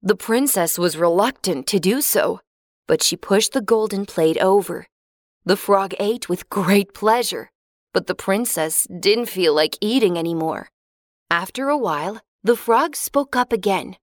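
A woman narrates a children's fairy tale in a clear, expressive storybook voice. Her pitch sits in the middle range. The recording is dry and close. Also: unhurried, no echo.

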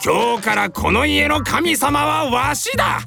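A woman acts out a pompous old god of fortune who barks orders in a high, sharp, gravelly voice. He talks slowly, with light music under the storybook scene. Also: lively intonation, heavily acted. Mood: haughty. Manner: bossy, shouting, stammers when shocked. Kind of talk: children's folktale voice acting.

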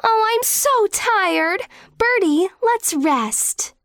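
A woman's voice: extremely slow, dry recording, clean studio sound, full character voice. A woman voicing a young cat princess in a children's cartoon. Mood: calling. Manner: high, sing-song, expressive. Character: young cat princess, sweet but cross.

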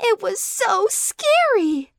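A woman doing a giggly squeaky little girl. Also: sing-song, takes it slowly, creaky, no echo, studio quality, full character voice. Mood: scared. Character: giggly young girl, mocking.

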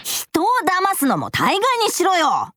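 A stern young tyrannosaurus boy, voiced by a woman, tough and scolding in a high, boyish voice. His pitch swings widely as he lays down the law in a children's audio drama. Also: big pitch swings, normal speed, fairly bright tone, no room sound, clean studio sound.

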